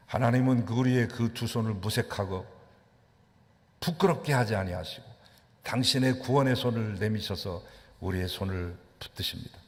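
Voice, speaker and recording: Brief: male pastor, dramatic sermon delivery, church hall reverb. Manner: dramatic storytelling with sweeping pitch leaps. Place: church sanctuary.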